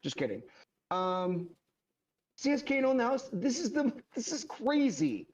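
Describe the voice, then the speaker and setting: A man's voice: very high-pitched, sing-song, unhurried. A man co-hosting a casual livestream, bantering bluntly and reading out viewer comments. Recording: distant, slightly muffled microphone.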